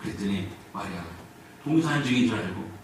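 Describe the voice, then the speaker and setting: A man preaching a sermon as pastor, with animated swings between loud and soft. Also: on the low side, fairly quick. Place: church sanctuary. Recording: echoey church hall from far off, faint noise.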